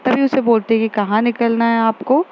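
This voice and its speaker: A woman's voice: fairly high pitch, fairly even intonation, moderate pace. A woman casually retelling a romance story, narrating the dialogue in a loose, chatty way with many fillers. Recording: slightly dull lo-fi audio with faint background noise.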